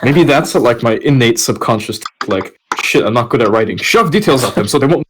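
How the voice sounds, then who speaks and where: Animated man bantering over background noise. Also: mid-range voice, brisk. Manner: joking, self-deprecating. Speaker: podcast reader and co-host. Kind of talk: casual group chat. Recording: clearly noisy background.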